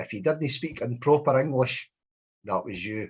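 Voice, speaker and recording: Speaking at a fairly quick pace with a Scottish accent, a man has a medium-pitched, somewhat breathy voice with ordinary pitch variation. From Scotland. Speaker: Scots-language poet and children's writer. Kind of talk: festival reading talk. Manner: animated.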